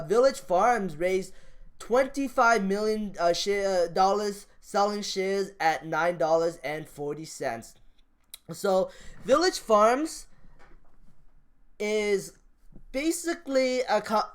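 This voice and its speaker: A man talking off the cuff like a vlogger about his views, rambling, repeating phrases and restarting his sentences. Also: sits high. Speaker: stock market vlogger. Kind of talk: casual off-the-cuff vlog commentary.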